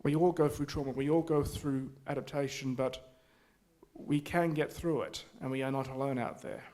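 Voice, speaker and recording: A man speaking at a community forum, halting with many restarts and fillers. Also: medium pitch, steady tone, mellow. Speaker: forum audience member. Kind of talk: spontaneous public remarks. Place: community hall.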